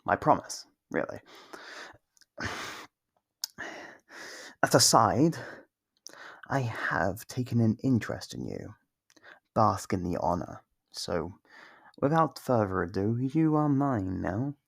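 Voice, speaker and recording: An actor voicing a smug, possessive, centuries-old vampire in an ASMR roleplay, slow and condescending, with a gravelly, husky voice and whispered phrases. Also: medium pitch, very animated, no room sound, studio quality, full character voice. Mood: flustered denial, then possessive, haughty. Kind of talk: ASMR roleplay monologue to the listener.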